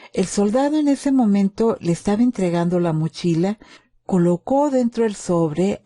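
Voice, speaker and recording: A woman's voice: mid-range voice, warm tone. A woman telling a scripted story as a dramatic narrator. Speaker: storyteller, channel host.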